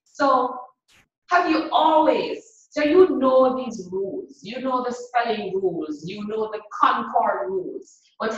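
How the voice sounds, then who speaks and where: A woman with a Jamaican accent speaks in a high pitch with very wide pitch swings. Audible room echo surrounds her voice. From rural Jamaica. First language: Jamaican Creole. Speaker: university lecturer. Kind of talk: lecture.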